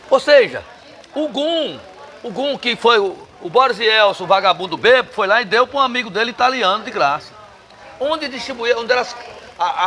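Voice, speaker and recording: A man's voice: very high voice, sharp tone. A man from Northeast Brazil with a Northeastern accent, talking as a guest in a casual bar interview, emphatic and combative, with salty language.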